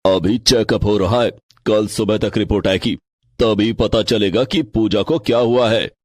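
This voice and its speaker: A man's voice: on the low side, steady tone, a little slow, dry recording. A man voicing a grave doctor. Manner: grave, instructive. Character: serious male doctor.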